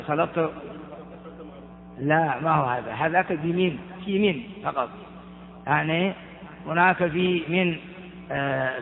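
A man teaching a grammar lesson slowly and deliberately, putting questions to his class and answering them himself. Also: on the high side. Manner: slow and deliberate, repeating key terms. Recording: tinny phone-like audio in a reverberant hall.

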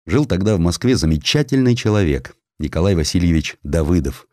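A man reading historical sketches as an audiobook narrator, in an expressive, deliberate, dramatic storytelling style. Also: sits low, no echo, clean studio sound.

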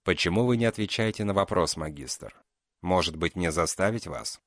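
A man voicing a calm, mocking male killer known as the beast. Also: low-pitched, dry recording, clean studio sound. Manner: cold, unhurried, mocking.

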